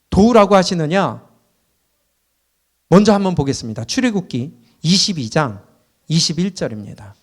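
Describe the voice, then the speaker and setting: High-pitched man preaching a sermon. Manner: preaching with rhetorical questions and shifts in loudness. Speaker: pastor. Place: church sanctuary.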